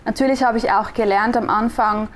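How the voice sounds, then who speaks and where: A young woman from Switzerland speaks Standard German with a clear Swiss German accent, answering an interviewer in a reflective, searching way with frequent restarts. Her voice sits a little high, and a faint hiss of background noise runs under the recording. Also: fairly even intonation, a little fast. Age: young adult. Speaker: guest, designer and podcaster.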